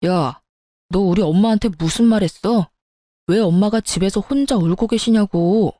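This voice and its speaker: A woman's voice: medium pitch, moderate pace, dark tone, no echo, studio quality, close to an everyday voice. A woman voicing an irritated husband who snaps and blames his wife in a spoken story. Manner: blaming, curt and dismissive.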